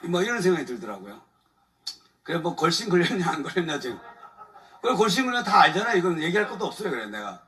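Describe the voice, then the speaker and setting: A man's voice: a little high, big pitch swings, fast, a bit bright, far from the mic. A man, a lawyer, giving a colloquial testimony at a church service, telling his grievances with frequent chuckles. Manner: colloquial, chuckles often, aggrieved storytelling. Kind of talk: animated testimony talk. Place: church evening service before a congregation.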